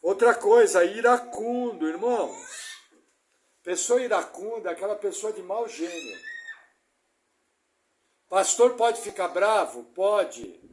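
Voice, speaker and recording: A man preaching a sermon as pastor, emphatic, putting rhetorical questions to the congregation and swinging between loud stresses and quiet asides. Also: sits high, slight background noise. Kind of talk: expository sermon.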